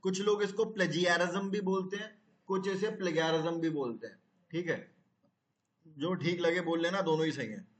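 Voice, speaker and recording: A man's voice: a little high, animated, moderate pace, pauses often, roomy sound. A man teaching a live online class, explaining step by step and asking his students questions.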